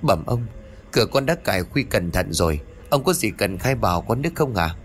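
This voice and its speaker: A man does a young servant in a told ghost story, deferential and rough-edged, bowing to his master. A low voice with lively pitch. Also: brisk. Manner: deferential, coarse when angry.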